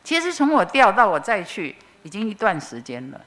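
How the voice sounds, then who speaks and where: Animated Taiwanese woman telling a testimony. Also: medium pitch, brisk. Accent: Taiwanese Mandarin. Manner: animated, expressive storyteller. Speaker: church member giving a testimony. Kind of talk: personal testimony storytelling.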